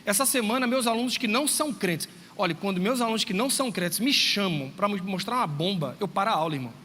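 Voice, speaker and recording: A man preaches to his congregation in a high, bright, ringing voice, acting out little scenes of dialogue and calling out to his listeners. His voice carries a long reverb through the church hall. Faint noise sits underneath. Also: quick pace. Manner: animated storytelling, acting out dialogue, addressing listeners directly. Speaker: pastor and schoolteacher. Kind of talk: sermon to a congregation. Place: church sanctuary.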